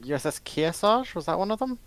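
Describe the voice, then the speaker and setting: A man chatting casually as a panelist, phrasing his thoughts in a halting, thoughtful way. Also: sits high, lively intonation, a bit bright.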